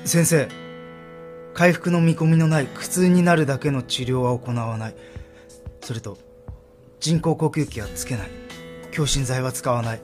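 A man acting as a caring middle-aged son in a radio drama, earnest and gentle, his voice dropping low when he worries. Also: measured pace, long pauses, over music, close to an everyday voice.

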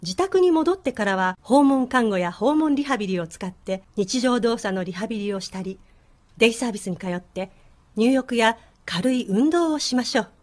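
A woman playing a clear-spoken social worker. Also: fairly high pitch, lively intonation, normal speed, darkish tone, natural voice. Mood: explanatory. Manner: clear, explanatory, polite. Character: female medical social worker, explaining clearly. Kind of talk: scripted explanatory dialogue.

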